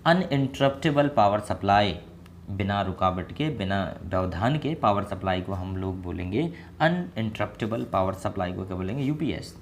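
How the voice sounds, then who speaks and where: A middle-aged Indian man with a Hindi accent, teaching English in a casual, joking way and repeating example sentences slowly. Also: lowish voice, lively intonation, a little hiss or hum. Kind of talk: casual spoken English lesson.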